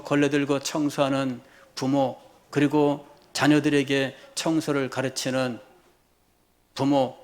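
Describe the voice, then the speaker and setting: A middle-aged man preaching a sermon as pastor, swinging between hushed low lines and loud, high exclamations, repeating phrases and firing rhetorical questions at the congregation.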